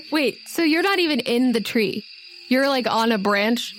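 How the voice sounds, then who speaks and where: A woman with a fairly high voice narrates a tabletop role-playing game as game master. She improvises in a casual, conversational way. Faint noise with chirping insects sits behind her. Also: animated, unhurried, low-quality recording.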